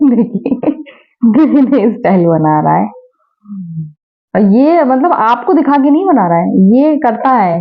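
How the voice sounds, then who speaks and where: A woman's voice: fairly high pitch, big pitch swings, measured pace. Sleepy chatty woman vlogging at home. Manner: chatty, talks to viewers and her children. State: sleepy and tired. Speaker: family vlogger. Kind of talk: casual home vlog narration. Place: bedroom at home. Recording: dull lo-fi phone audio.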